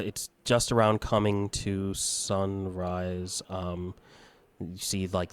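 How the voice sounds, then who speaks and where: A man narrating a tabletop roleplaying game as game master, in a measured, halting way. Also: low-pitched.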